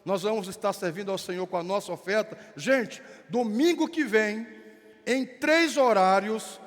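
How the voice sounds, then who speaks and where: A man from southern Brazil with a gaúcho accent, a pastor leading prayer and giving notices in church. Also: sits high. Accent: gaúcho Brazilian Portuguese. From Rio Grande do Sul, Brazil. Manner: fervent, drawn-out prayer lines, playful banter. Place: church sanctuary with worship music. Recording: reverberant hall with music behind.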